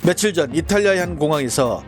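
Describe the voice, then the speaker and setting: A man's voice: fairly high pitch, expressive, faint music behind. A man narrating as a channel host in a formal, scripted news-commentary style. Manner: brisk, formal delivery.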